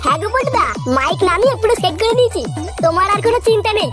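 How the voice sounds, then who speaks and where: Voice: extremely high pitch, expressive, rapid-fire, over loud music. A voice actor playing a dim-witted, boozy young sidekick in a cartoon, stammering and whining with crude words. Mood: whiny. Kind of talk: cartoon voice acting.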